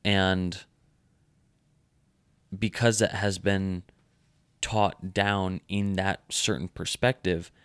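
Deep-voiced young American man explaining. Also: flat delivery, drawn-out words, pauses often, a bit bright, clean tone, no room sound. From United States. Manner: explanatory, lecturing on sociology. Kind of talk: casual chat.

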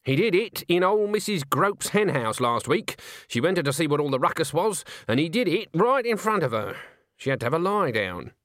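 A man's voice: fairly high pitch, very animated, normal speed, a bit bright, dry recording, studio quality, voice pushed up. A man voicing a stern, stubborn elderly witch in a storybook, curt and disapproving, with rustic turns of phrase.

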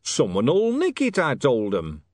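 A man voicing a gruff, shrewd older self-made businessman with blunt working-class speech, in an audiobook story. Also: mid-range voice, huge pitch swings, a little slow, a little mellow, dry recording, clean studio sound, voice pushed up. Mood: mock astonishment.

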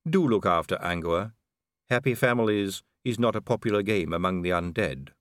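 Brief: male narrator as a sly aristocratic vampire lady, audiobook; cool, unhurried, faintly mocking. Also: lowish voice, expressive, fairly bright tone, no echo, studio quality. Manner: cool, drawling, amused and poised. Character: calm, elegant, sly female vampire noblewoman. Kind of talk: audiobook character reading.

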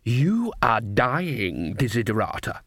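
A man's voice: mid-range voice, sing-song, takes it slowly, a bit bright, no room sound, clean studio sound, heavily acted. A man voicing a cold, commanding woman in a mirror who gloats imperiously.

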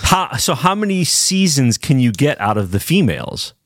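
A man's voice: mid-range voice, big pitch swings, moderate pace, a bit bright, no room sound, clean studio sound. Joking male podcast host. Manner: joking, teasing, laughs often. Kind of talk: casual podcast banter.

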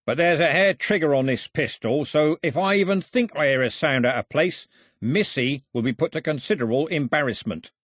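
A man acts out a cunning storybook villain. He is a husky, sneering bully with sarcastic, colloquial talk and a very lively swing in pitch. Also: normal speed, dry recording. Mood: mockingly cheerful. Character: menacing, sneering male criminal, cunning and mocking.

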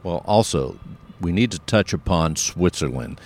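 A man's voice: low-pitched, animated, unhurried, darkish tone, a little hiss or hum. A man hosting an interview show, chatty and enthusiastic, rambling a bit as he introduces his guest. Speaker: show host. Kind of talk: casual interview talk.

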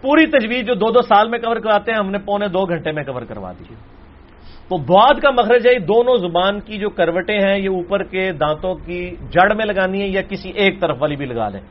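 A high-voiced man answers questions in a religious lecture. He is forceful and animated, loud on the points he stresses and dropping low for asides. The recording is dull and lo-fi. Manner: forceful, animated, swings between loud emphasis and quiet asides.

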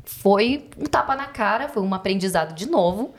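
A Brazilian woman with a Brazilian Portuguese accent, a podcast guest telling animated, profane stories and acting out quotes. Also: mid-range voice, normal speed. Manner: animated, profane storyteller who acts out quotes. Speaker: podcast guest, bank teller. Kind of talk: casual podcast chat.

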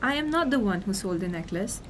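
A woman's voice: medium pitch, expressive, a little fast, slight background noise, natural voice. A young woman playing a polite, businesslike jewellery seller in an amateur radio drama, matter-of-fact in manner. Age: young adult.

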